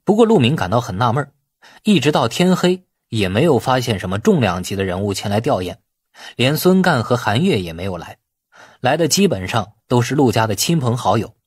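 A man's voice: medium pitch, sing-song, a little fast, slightly rough, no room sound, studio quality. A man narrating a novel as a scripted audiobook.

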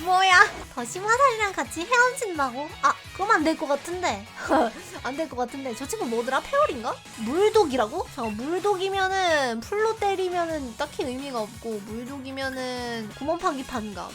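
A young woman giving casual, chatty commentary as she plays a game, reacting loudly, laughing often and teasing her viewers. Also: sits high, expressive, normal speed, hardly any pauses. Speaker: game streamer. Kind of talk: casual let's-play commentary. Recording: game music behind the voice.

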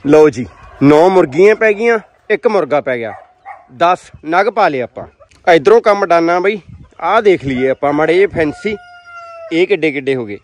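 A man's voice: on the high side, animated, moderate pace. A man chatting casually as he films a vlog at a poultry farm. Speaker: vlogger filming a poultry farm visit. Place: open-sided brick poultry shed and yard. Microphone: handheld phone, behind the camera. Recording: birds clucking, outdoor farm noise. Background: chickens clucking, roosters.

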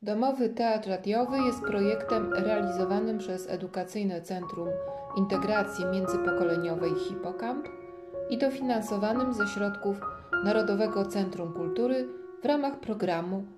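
A woman reads a scripted announcement in a mid-pitched voice. Loud, chiming mallet music plays behind her. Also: normal speed. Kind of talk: scripted narration. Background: loud mallet-percussion music.

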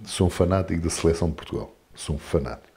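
A man in his forties, a guest in a casual interview, talking in a rambling, animated way with many restarts. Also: low voice, rapid-fire. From France. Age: 40s.

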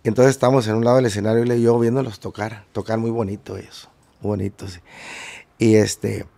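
Gravelly-voiced man. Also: fairly low pitch, flat delivery, a little fast, dark tone. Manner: rambling anecdotes with many fillers and restarts. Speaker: guest musician. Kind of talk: casual interview storytelling.

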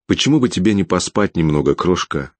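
A man reading an audiobook, voicing the first-person hero, a desperate young father who shouts in raw, strained anger. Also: deep voice, lively intonation, a little fast, no room sound. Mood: weary.

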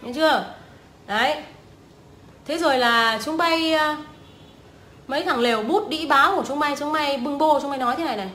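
A woman's voice: high-pitched, moderate pace, long pauses, fairly bright tone, slight background noise. A young woman, ranting scornfully and swearing often as a vlogger. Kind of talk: profane ranting commentary. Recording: echoey room.

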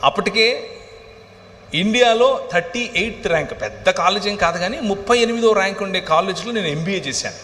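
A man's voice: high-pitched, expressive, fairly quick, pushed and bright. A middle-aged man, a pastor, giving an impassioned sermon testimony that swells at times into cries. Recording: reverberant hall, faint ambient noise.

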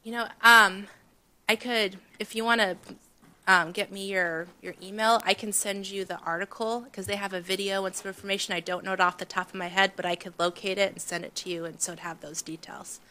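A woman with a bright, sharp-edged voice answers questions as a panel adviser. She is helpful and accommodating, in a council chamber. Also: mid-range voice, fairly even intonation, brisk. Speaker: small business agency adviser.

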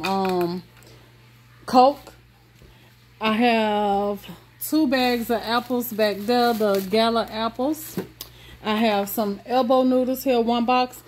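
Slow-talking woman with a drawl. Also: fairly high pitch, slight background noise. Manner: slow, listing items with many ums and pauses. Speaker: vlogger. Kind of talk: casual grocery haul walkthrough. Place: home kitchen indoors.

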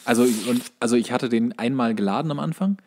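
A man's voice: medium pitch, brisk, a little mellow, slight background noise. A man chats casually as a podcast co-host, dropping in wry, joking remarks. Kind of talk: casual banter.

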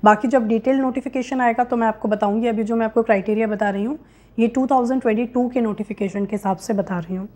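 A woman's voice: fairly high pitch, steady tone, quick pace, dark tone. A young adult woman, hosting a career guidance explainer and addressing viewers directly as she mixes in English terms. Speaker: host of career guidance videos. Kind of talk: explainer to camera, mixing Hindi with English terms. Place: small indoor room with curtains, seated.

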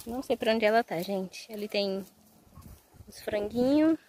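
A woman's voice: medium pitch, a little slow, darkish tone. Chatty woman filming her farmyard. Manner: chatty, keeps addressing viewers directly. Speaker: vlogger. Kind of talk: casual farm vlog. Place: outdoor farmyard with animals.

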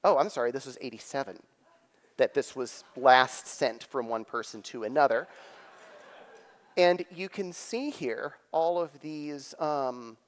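Middle-aged male keynote speaker, live tech demo delivery, halting then emphatic, big-room reverb. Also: mid-range voice. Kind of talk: live technical presentation with demonstrations. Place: on stage in a theater, at a lectern. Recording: echoey theater hall reverb.

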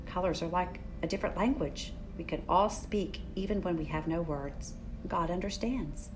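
An older woman hosting a children's story time, speaking in a gentle, deliberate way for young listeners. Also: lowish voice, music in the background. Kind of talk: children's story time, picture book read-aloud. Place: furnished room in a church building.

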